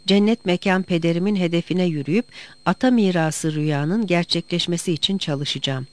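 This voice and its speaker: A proud young tribal chief with a bitter, rousing delivery, read aloud by a narrator. He sits in a mid-pitched, ordinary register. It plays as an audiobook reading. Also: natural voice.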